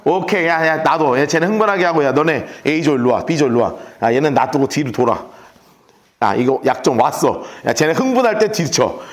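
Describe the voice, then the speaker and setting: A man playing a cool-headed army commander who quietly works out a trap and snaps out short orders to his troops. The voice sits a little lower than the man's own lecturing voice. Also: normal speed, lightly acted. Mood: calculating. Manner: calm, clipped battlefield orders.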